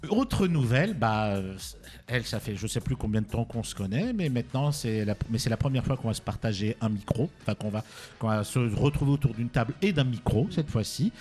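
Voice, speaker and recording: Mellow male radio host, rambling. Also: medium pitch, expressive, a little fast, soft background music. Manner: rambling, self-correcting, teasing. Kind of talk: casual, jokey radio presenting.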